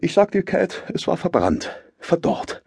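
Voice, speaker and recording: An actor playing a loud, choleric master in a theatrical classical comedy audio drama, barking insults and switching to mock-sweet coaxing. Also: a little high, sing-song, measured pace, vocal fry, slightly rough, exaggerated voice. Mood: grimly cajoling. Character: loud, choleric master bullying servants and bride.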